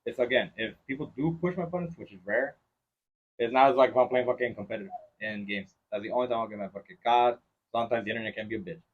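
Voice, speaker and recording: A man's voice: mid-range voice, fast talker, breathy edge, lo-fi sound. A man hosting a casual podcast chat, swearing freely and dropping Spanish phrases into his English. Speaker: podcast host.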